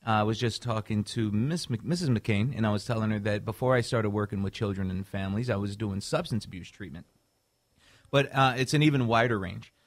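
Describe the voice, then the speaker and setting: A man from Chicago, a mental health clinician, earnestly explaining his path as a radio guest. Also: on the low side. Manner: earnest, measured, some restarts. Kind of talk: radio interview answers.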